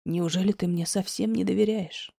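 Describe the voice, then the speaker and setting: A young man with a gentle, coaxing voice, dropped well below the reader's own and kept hushed, as a woman reads him in an audiobook. He sounds mellow and close, with a dry, intimate tone. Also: fairly even intonation, normal speed, gravelly, no echo. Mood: pressing. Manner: soft, low and coaxing. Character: tender, insistent young man.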